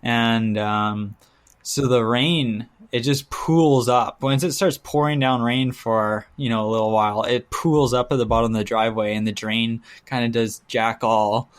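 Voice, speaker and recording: A man talks as a podcast co-host in a casual, conversational style. His voice sits in a middle pitch. He tells his stories haltingly, feeling his way through them. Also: fairly even intonation. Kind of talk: casual banter and anecdotes.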